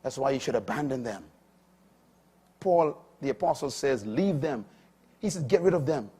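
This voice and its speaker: An older man preaching a sermon, swinging from loud emphatic peaks to quiet low asides. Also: expressive, normal speed, husky.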